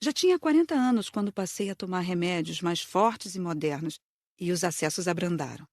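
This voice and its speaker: A woman's voice: medium pitch, darkish tone, dry recording, natural voice. A humble, devout female spirit acted by a woman makes a plaintive confession. Her voice sits at an average height, recorded very dry for an audiobook drama.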